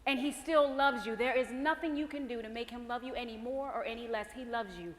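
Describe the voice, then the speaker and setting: An actress playing a hopeful figure of faith, speaking tenderly and pleading. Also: female voice, fairly high pitch, a little fast, slight background noise, lightly acted. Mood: reassuring. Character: gentle hopeful woman personifying faith and future. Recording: reverberant hall.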